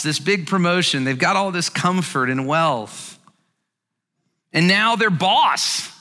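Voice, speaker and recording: A man preaching a sermon as pastor, animated, acting out quoted voices and often repeating words as he goes. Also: on the high side, long reverb tail. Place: church sanctuary.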